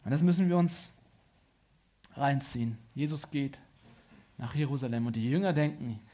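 Husky man preaching with rising intensity. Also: normal speed, mellow. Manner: preaching with strong surges in pitch and volume. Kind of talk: sermon.

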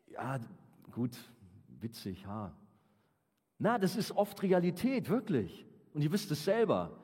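A man's voice: a little high, warm tone. Earnest preacher man in a reverberant hall. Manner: earnest, rising and falling for emphasis, slows to read scripture. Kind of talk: sermon.

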